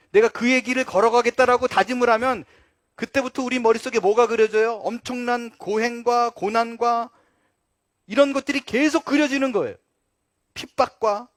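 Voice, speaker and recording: A man preaching a sermon as pastor, earnest, swinging from loud emphasis to quiet low asides. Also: no room sound, clean studio sound.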